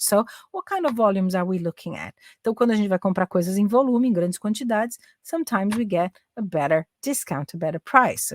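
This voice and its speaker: A chatty Brazilian woman in middle age gives a relaxed English lesson, hopping between Portuguese and English. Her voice sits a little high, and the recording is close and dry with no room sound. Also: no room sound. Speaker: English teacher. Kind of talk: casual bilingual English lesson.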